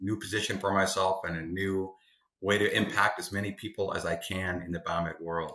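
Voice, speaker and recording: This man has a very deep, low pitch and a bright, sharp tone. He speaks at a fairly quick pace in a monotone, flat intonation. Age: 60s. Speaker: biomedical technician trainer. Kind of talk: interview.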